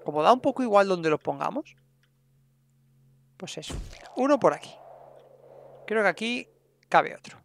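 Male streamer, chatty let's play voice with a creaky edge. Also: sits high, animated, normal speed, long pauses, a little hiss or hum. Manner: chatty, talks to his game characters. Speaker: gameplay streamer. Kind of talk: casual let's play commentary.

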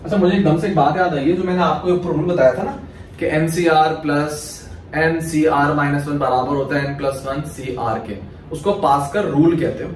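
A man's voice: fairly high pitch, fairly even intonation, moderate pace. A male maths teacher from Pakistan giving a lecture, explaining step by step and answering his own questions. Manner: asks questions then answers them himself. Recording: very echoey room, mic far off, faint hiss.

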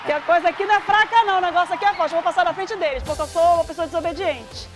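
A woman's voice: extremely high pitch, very fast, music in the background. A woman in her thirties, born in Goiânia and raised in Amazonas, hosting a live TV chat in a studio, playful and self-mocking. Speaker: TV show host. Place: bright TV studio set.

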